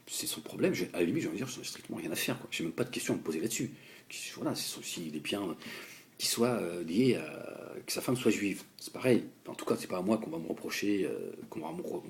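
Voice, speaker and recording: Young man from France, political commentator, talking in a low voice with big swings in pitch, stop-start and repetitive. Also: slight background noise. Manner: animated, halting, repeats words, addresses the politician directly. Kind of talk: heated political monologue.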